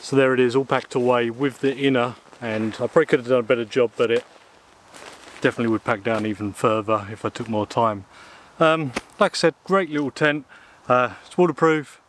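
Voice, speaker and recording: A brisk, mid-range male voice from England runs through a relaxed outdoor gear review, peppered with ums and uhs. The setting is woodland, in and beside a small tent, and the close-to-mid-distance camera mic adds a little hiss or hum.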